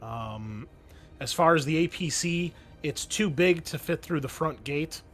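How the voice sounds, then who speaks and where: A man's voice: a little high, expressive, measured pace, a bit bright. A man narrating a tabletop game as game master, explaining things in an informal, improvised way.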